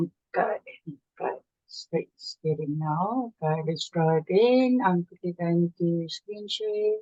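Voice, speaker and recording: On a dry, close recording with no echo, a woman speaks very slowly at medium pitch with ordinary pitch variation, in a somewhat breathy voice with a dark, mellow tone. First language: not English. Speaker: Zoom trainer. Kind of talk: tutorial. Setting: video call. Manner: halting. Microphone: network issues, frozen computer.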